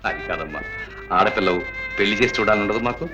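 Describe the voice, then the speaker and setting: An actor playing a gentle, fatherly lawyer speaking to his daughter in an old film drama. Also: on the low side, quick pace, muffled recording, natural voice. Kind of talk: 1950s Telugu film acting. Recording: old film soundtrack with music.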